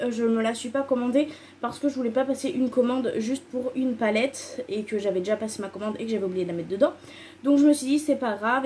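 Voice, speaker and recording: In a casual, chatty haul video, a beauty vlogger talks straight to her viewers in a loose, rambling way full of fillers. Her voice is a little high yet soft and mellow, and she piles up repeated intensifiers with easy enthusiasm. Slight background noise is present.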